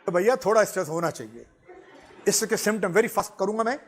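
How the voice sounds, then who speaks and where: Man, high voice, middle-aged, animated lecturer, chuckles often, mixes in English phrases. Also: a little fast. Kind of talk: motivational lecture to students.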